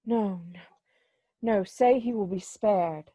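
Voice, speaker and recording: Lady reading as humbled old miser guy, earnest and formal, medium pitch, very dry room. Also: takes it slowly, warm tone, no echo. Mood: pleading. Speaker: amateur reader, library staff. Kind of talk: dramatic reading of a classic story.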